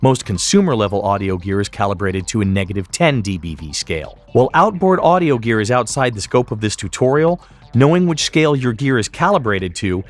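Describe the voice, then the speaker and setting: A man presenting a tutorial in scripted, explanatory narration, enunciating each term clearly. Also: medium pitch.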